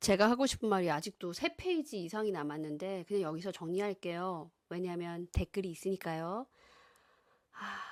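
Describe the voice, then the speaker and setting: Heard in a very clean recording with a silent background, a woman speaks. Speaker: psychological counselor and YouTuber. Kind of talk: casual vlog monologue. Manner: speeding up, fast.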